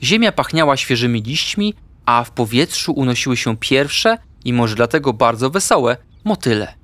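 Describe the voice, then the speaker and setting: A man narrating a children's audio story with lively, expressive storytelling. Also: medium pitch, normal speed, no echo.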